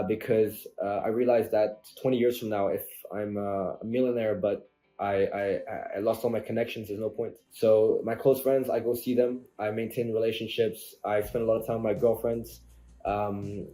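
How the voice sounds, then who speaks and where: A soft-spoken man in his twenties speaks as an interview guest, reflective and unhurried. His voice is very dark and mellow. He often stumbles and restarts his sentences. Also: on the low side, level tone, soft background music. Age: 20s. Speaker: podcast guest, online entrepreneur. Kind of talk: casual interview talk.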